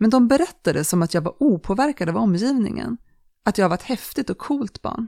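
A woman's fairly high voice with a dark, mellow tone, very wide pitch swings and a fairly quick pace, in a dry, close, echo-free recording with a silent background. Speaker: survivor of abusive parents sharing her story. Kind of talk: personal testimony, pre-written narration. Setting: self-recorded audio file. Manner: smooth, audiobook-like narration.

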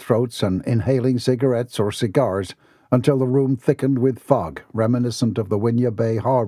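The reading aloud is plain, and the intonation stays fairly even.

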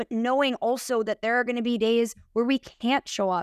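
A woman with a Midwestern US accent speaks at a moderate pace in a fairly high pitch. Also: dry, close sound with no echo. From Minnesota, US Midwest. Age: 30s. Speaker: fitness worker and sober group leader. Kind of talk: casual conversation.

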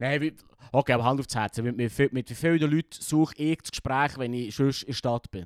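This man talks at a fairly quick pace, his pitch medium with ordinary variation. The sound is dry and close, with no echo. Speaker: podcast co-host. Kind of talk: casual chat.

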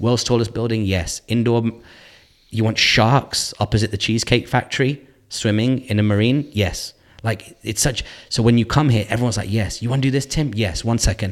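A medium-pitched man with a Mancunian accent, at a moderate pace with fairly even intonation. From northern England, Salford (Greater Manchester). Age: 40s. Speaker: creative entrepreneur. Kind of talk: casual interview chat.

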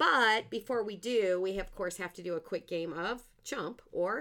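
A woman's medium-pitched voice with a bright, sharp tone, lively intonation and a Midwestern US accent, on a very clean recording with a silent background. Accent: US Midwest. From Iowa, Des Moines. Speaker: pediatric speech language pathologist, podcast host. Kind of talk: casual chat. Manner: fast.

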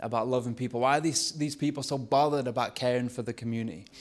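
A man with a Lancashire accent at medium pitch, on a very clean recording with a silent background. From Lancashire, northern England. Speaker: pastor. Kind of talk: sermon. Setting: church. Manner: animated, casual.

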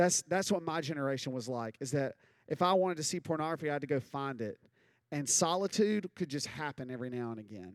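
A man's fairly high voice, an unremarkable speaking voice, at a fairly quick pace, dry and close with no echo, on a very clean recording with a silent background. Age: 30s. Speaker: teacher. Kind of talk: lecture. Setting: classroom with students. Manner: casual, filler-heavy.

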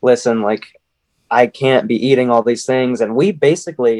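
In a normal speaking voice, a man talks at a moderate pace and a medium pitch, the sound dry and close with no echo. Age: 20s. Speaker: weight loss guest. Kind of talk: casual interview.

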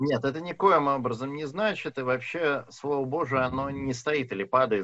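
A man talks at a fairly quick pace with a medium pitch. His tone is bright and sharp. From Russia, Murmansk region. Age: 50s. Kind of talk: interview.

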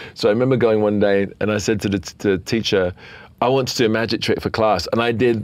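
Against a quiet background, a man with a British accent and fairly low pitch talks very fast. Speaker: actor and magician. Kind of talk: casual interview chat. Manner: animated.

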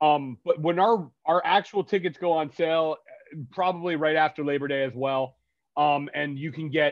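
An ordinary speaking voice from a man with an American accent, fairly high in pitch, ordinary pitch variation, moderate pace. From US Northeast, North Jersey. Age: 40s. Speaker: film festival founder. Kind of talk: casual interview chat.

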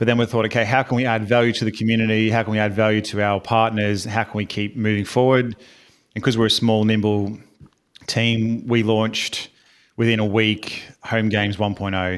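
In an Australian accent, a man with a fairly low pitch speaks at a fairly quick pace in a monotone, flat intonation. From Australia, Brisbane. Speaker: fitness competition founder. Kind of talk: casual interview.

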